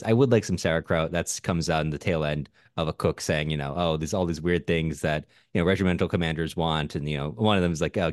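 Low-voiced man explaining a novel. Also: no echo, studio quality. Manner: explanatory, halting with many fillers. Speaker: podcast co-host. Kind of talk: casual literary discussion.

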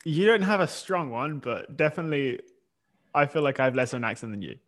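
A man's voice: fairly high pitch, lively intonation, fast, a bit bright. A man with a British accent co-hosting a podcast, dry and understated in casual banter. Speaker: podcast co-host.

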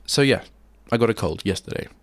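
A man's voice: on the low side, expressive, fairly quick. A male radio host with a stuffy head cold, chatting in a rambling, self-deprecating way at a studio microphone. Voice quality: bunged-up, nasal. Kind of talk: casual solo radio chat.

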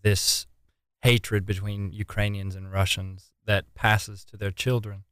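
A young man of twenty answers questions in an interview. His voice is on the low side and smooth, with an earnest, articulate delivery. The sound is dry and close. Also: flat delivery, takes it slowly, a bit bright, dry recording. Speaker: interview guest, relief volunteer.

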